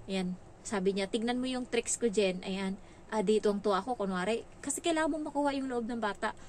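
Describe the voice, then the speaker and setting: A woman's voice: medium pitch, a little hiss or hum. A woman from the Philippines who works as a nanny, candidly telling stories in a casual vlog and slipping English phrases into her talk. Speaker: nanny in Hong Kong.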